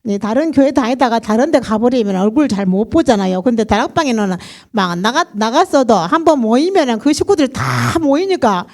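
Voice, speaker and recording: A woman's voice: fairly high pitch, animated, brisk, few pauses, darkish tone. A middle-aged woman with a Gyeongsang accent, giving a chatty personal testimony to a church congregation. She often laughs and acts out other people's lines as she tells the story. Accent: Gyeongsang dialect. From Daegu region, South Korea.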